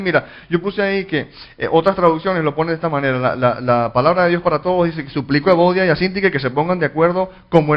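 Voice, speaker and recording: A pastor teaching a Bible study, reading verses aloud and explaining them with frequent restarts. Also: male voice, fairly high pitch. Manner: reads scripture then explains, many restarts and fillers. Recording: dull lo-fi recording.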